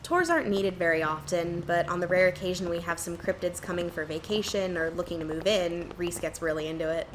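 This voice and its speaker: A woman's voice: on the low side, fairly quick, few pauses, slight background noise, close to an everyday voice, rough recording. A woman playing a wry, frank cryptid empath in an audio drama, with a dry, teasing, casual delivery.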